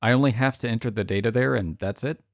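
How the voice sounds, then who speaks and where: A woman's voice: rumbling low, quick pace, no echo, studio quality. A woman reading visual novel text aloud as a let's player, slipping in casual, wry, joking asides.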